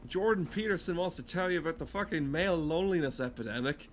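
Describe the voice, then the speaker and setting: A man giving casual, rambling gameplay commentary, swearing freely and riffing with dark, irreverent humour. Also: on the high side, expressive, quick pace. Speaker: gameplay streamer. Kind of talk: casual, rambling commentary over game cutscenes.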